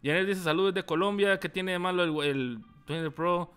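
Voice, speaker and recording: Young Salvadoran male streamer, high bright voice, casual chat-reading delivery, faint music in the background. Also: moderate pace, clean tone. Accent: Salvadoran Spanish. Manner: casual, reads chat messages aloud, laughs often. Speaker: tech YouTuber. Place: small room indoors.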